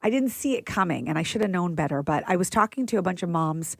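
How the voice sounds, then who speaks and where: A woman's voice: on the low side, expressive, quick pace, gravelly, no room sound, studio quality. A woman in her forties co-hosting a radio show, telling a story in a chatty way and laughing often. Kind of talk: casual radio chat. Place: radio studio.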